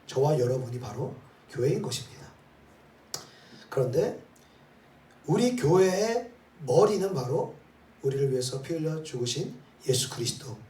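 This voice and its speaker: Preaching man, pastor in a church sanctuary: asks rhetorical questions and tags them with "eh?", slightly raised pitch, heard from a distance. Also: sing-song, normal speed, pauses often, mellow. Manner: leads the congregation in reading scripture aloud. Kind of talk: sermon. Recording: roomy hall, voice from some distance, faint ambience.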